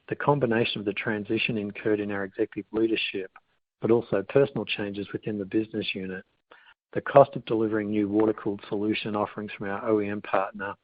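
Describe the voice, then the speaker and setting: Male finance executive, flat and lowish delivery, formal scripted investor-call read. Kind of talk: scripted earnings call presentation. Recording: boxy phone-like line with room echo.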